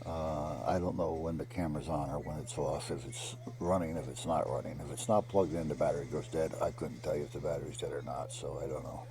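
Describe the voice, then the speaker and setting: A man's voice: rumbling low, fairly even intonation, a little fast, few pauses. A man giving a casual, rambling voice-over that explains a hands-on DIY repair step by step in a plain-spoken, matter-of-fact way. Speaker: hobbyist narrating a repair project.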